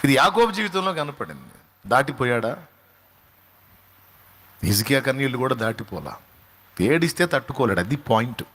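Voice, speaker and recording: A man preaches a sermon at a middle pitch. He presses each point home by repeating key phrases and throwing rhetorical questions at the listener. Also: sing-song, moderate pace, long pauses, a bit bright. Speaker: pastor.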